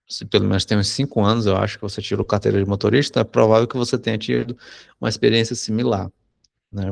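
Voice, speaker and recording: A Brazilian man, a psychology teacher, telling a personal anecdote in a conversational lesson, often tagging sentences with a quick question. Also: on the low side, creaky. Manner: conversational, frequent tag questions. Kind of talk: anecdote told in a recorded lesson.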